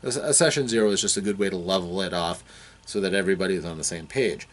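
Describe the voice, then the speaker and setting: Male game master, slightly low voice, explaining off the cuff, deliberate and halting. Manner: halting, deliberate, thinking aloud. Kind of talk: unscripted explanatory talk.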